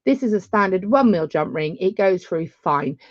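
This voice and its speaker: Woman, low voice, chatty beading tutor on a dull, dry lo-fi stream. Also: lively intonation, normal speed, no room sound. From England. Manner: chatty, rambling asides. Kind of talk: live craft tutorial.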